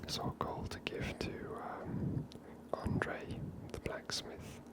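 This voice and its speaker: Male ASMR gaming host: soft unvoiced whisper, musing, unhurried commentary.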